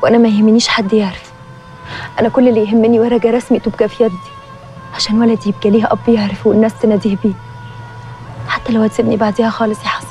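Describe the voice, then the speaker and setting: A woman's voice: fairly high pitch, flat delivery, very fast, mellow, natural voice. An actress as a blunt village woman. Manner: blunt, calculating. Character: scheming village woman pressing for marriage. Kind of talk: TV drama acting. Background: music.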